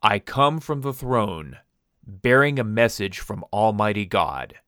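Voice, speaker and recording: A man's voice: fairly low pitch, expressive, slow, fairly bright tone, no room sound, studio quality. A man voicing an aged stranger who speaks as a solemn messenger from God, grave and declaiming. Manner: grave, declaiming, rising in force.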